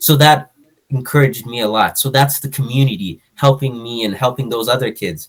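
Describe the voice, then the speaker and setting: Here a man talks at a fairly quick pace in a somewhat breathy voice. His pitch is medium, with ordinary variation. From Canada (Saskatoon), moved from Ethiopia at age four. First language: Afan Oromo. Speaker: youth community member, language teacher assistant. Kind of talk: casual interview. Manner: hesitant, many fillers.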